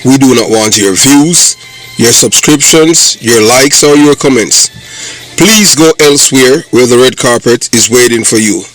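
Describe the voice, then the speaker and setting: A man's voice: mid-range voice, unhurried, a bit bright, soft background music. Jamaican male host, combative, sarcastic commentary delivery. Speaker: channel host. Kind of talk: commentary monologue.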